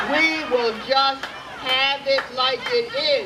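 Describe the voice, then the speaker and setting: A woman speaks in a raised, projected voice at a high pitch, with crowd noise in the background. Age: 80s+. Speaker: retired high school principal. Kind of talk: reunion speech.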